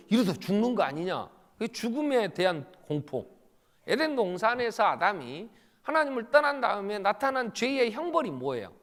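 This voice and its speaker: A middle-aged man preaching a Sunday sermon as pastor, animated, swinging between loud and hushed, often acting out quoted dialogue in different voices. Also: high-pitched. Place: church sanctuary. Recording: long church reverb.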